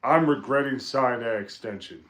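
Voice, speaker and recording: A man's voice: mid-range voice, normal speed, a bit bright. A man co-hosting a live stream in casual chat, blunt, dry and opinionated. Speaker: co-host.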